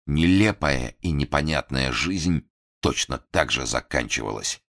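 A man narrating an audiobook in a measured, expressive reading style. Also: rumbling low, gravelly.

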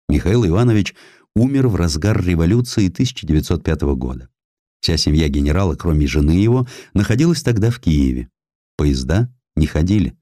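A man reading a historical sketch as a dramatic audiobook narrator, expressive and emphatic, with deliberate pauses. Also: low voice, dry recording, clean studio sound.

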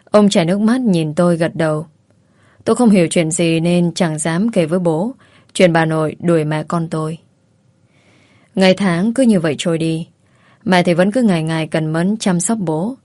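A woman narrating a first-person audiobook story in a calm, measured way. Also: on the low side, no room sound, studio quality.

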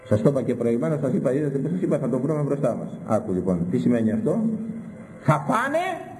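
A man's voice: mid-range voice, mellow, long reverb tail, a little hiss or hum, low-quality recording. A man preaching a stern, scolding sermon full of rhetorical questions. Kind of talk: sermon with Bible interpretation.

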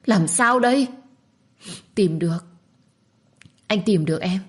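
A woman's voice: lively intonation, takes it slowly. A woman voicing a desperate young woman who begs tearfully to keep her child. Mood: pleading tearfully. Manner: tearful, begging, high and pressing.

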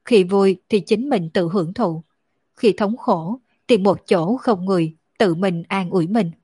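A woman voicing a lonely, orphaned young woman who speaks slowly with grief and a choked edge. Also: mid-range voice, warm tone, husky, dry recording, clean studio sound. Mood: sorrowful. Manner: slow, grieving, choked delivery.

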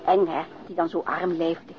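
A woman's voice: on the low side, flat delivery, moderate pace, natural voice. An actress playing a policeman's affectionate, teasing girlfriend in a radio drama, playful and familiar. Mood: playful, curious. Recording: muffled radio drama recording with noise.

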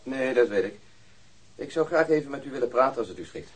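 A man acting in a radio drama as a calm police investigator, asking questions gently and politely. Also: mid-range voice, fast talker, slightly rough, poor audio. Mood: calm, courteous.

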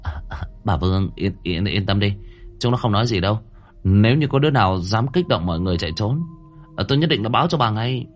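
A man voicing a servile young man who stammers hurried reassurances. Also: lowish voice, animated, faint music behind. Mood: fawning. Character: fawning, eager-to-please young man.

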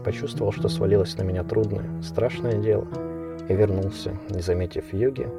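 A man reading a literary story aloud in the first person, in a measured, dramatic voice. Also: fairly low pitch. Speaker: audiobook narrator. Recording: distant mic with music bed.

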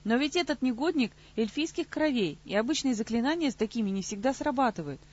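A woman voicing a brash, aggressive woman in an audiobook, scolding in a shrill, husky voice. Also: animated, quick pace, a little mellow, muffled recording. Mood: indignant. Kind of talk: audiobook character voice.

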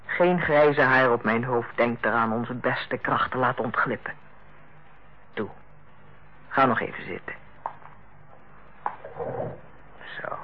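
An actress in a Dutch radio play as a female hospital director, authoritative yet kindly, speaking in a measured, formal and persuasive way. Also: deep voice. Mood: coaxing, firm. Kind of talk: Dutch radio drama acting. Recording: muffled, band-limited old radio recording.

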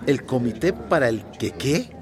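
An actor playing a tired, placating town mayor in a radio drama, sounding exasperated. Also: male voice, medium pitch, big pitch swings, normal speed, darkish tone. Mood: weary. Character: weary small-town mayor, middle-aged man.

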